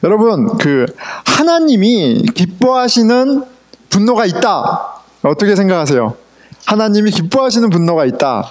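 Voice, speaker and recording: A man's voice: high voice, sing-song, moderate pace. A middle-aged man preaching a sermon as pastor, conversational, asking his congregation questions and mixing in English words. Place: church sanctuary.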